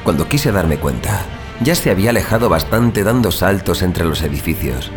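A man plays a brooding killer who roams the night in an audio drama. His voice sits a little low and moves expressively, with a Castilian Spanish accent and a wry, coarse turn of phrase. Music runs behind him. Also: expressive, moderate pace. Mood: brooding narration. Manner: wry, foul-mouthed, colloquial. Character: brooding, sarcastic male night-prowling killer who narrates his story. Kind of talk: audio drama dialogue and first-person narration.

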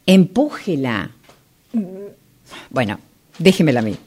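A woman in an amateur radio play acting a smooth-talking, insistent female real estate agent, with theatrical dramatic pauses. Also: extremely low pitch, sing-song, darkish tone, full character voice.

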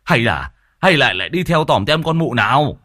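A man voicing old village men who scold and tease their friend in a shrill, nagging way. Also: sing-song, fairly quick, sharp tone, no echo, clean studio sound, full character voice. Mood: worried scolding.

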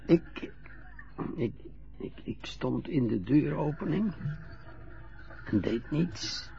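A slow, gravelly old man, played by an actor, who stammers and falters as he speaks. He is a frail, fearful widower with a teasing streak, heard in a dull lo-fi radio play recording. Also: on the high side, animated, mellow, heavily acted. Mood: sorrowful. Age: older. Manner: hesitant, stammering.

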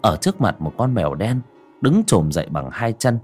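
A man narrating a horror story dramatically, dropping to a hushed, slow delivery for suspense. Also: on the low side, very animated, husky, faint music behind.

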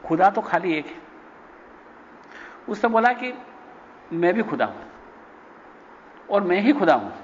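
A man giving a spiritual lecture, telling stories and acting out the quoted speech with sudden pitch jumps. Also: sing-song, a little slow, long pauses. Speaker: spiritual teacher. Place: ashram hall. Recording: dull lo-fi recording with long reverb and faint noise.

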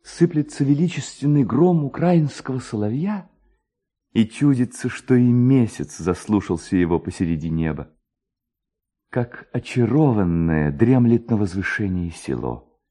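A man reading literary prose as a narrator, in an expressive, theatrical storytelling manner. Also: medium pitch, a little slow.

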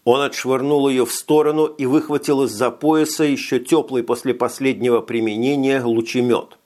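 A man narrating a science fiction audiobook in a steady, measured reading. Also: medium pitch. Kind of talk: scripted narration.

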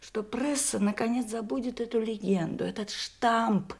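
A woman's voice: a little high, moderate pace, slightly rough. An actress playing the bitter, rebellious, wounded daughter of a famous man in a theatrical audio drama, sarcastic and swinging between whispers and outcries. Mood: bitter, defiant. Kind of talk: Soviet audio stage drama acting.

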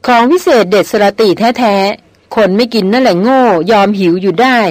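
A woman's voice: medium pitch, moderate pace, darkish tone, no echo, lightly acted. A woman doing a teasing young man. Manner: teasing, mocking. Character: teasing male jungle companion, playful joker.

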